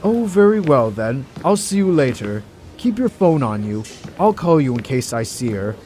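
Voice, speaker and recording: Busy doctor, lively pitch, noisy recording acted by a man. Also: normal speed, lightly acted. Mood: polite. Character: busy, worn-down male hospital doctor. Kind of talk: amateur audio drama acting.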